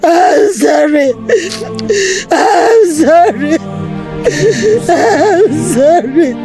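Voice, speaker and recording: A woman's voice: sits high, expressive, extremely slow, loud music behind the voice, heavily acted. An actress playing a grieving wife who begs her dead husband, tearful and pleading. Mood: pleading, sobbing. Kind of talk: film acting.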